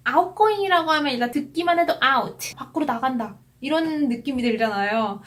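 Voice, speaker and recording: A woman in her thirties teaching an English lesson, telling stories and acting out quotes, then drilling words slowly. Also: on the high side. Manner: chatty storytelling, acts out quotes. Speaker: English tutor.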